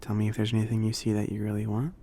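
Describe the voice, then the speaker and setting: Man playing a creaky-voiced, easygoing shopkeeper mage. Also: lowish voice, monotone, rapid-fire, mellow. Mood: accommodating, rambling. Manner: hesitant, rambling, accommodating. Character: friendly, slightly awkward male mage running a magic shop. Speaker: ASMR roleplay performer. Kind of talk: soft-spoken ASMR roleplay, casual and improvised.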